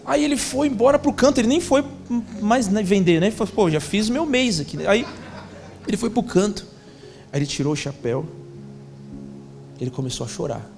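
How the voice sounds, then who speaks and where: A man's voice: sits high, animated, fairly quick, gravelly, long pauses, a little mellow. A man, a pastor telling a story in a sermon, acting out the dialogue in casual slang. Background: faint music.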